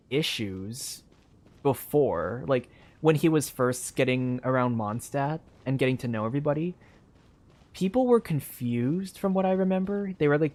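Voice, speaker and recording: A streamer thinks aloud while playing a video game, offering casual commentary that's hesitant, rambling, and packed with fillers. The voice is mid-range with a darkish tone, and game music plays in the background.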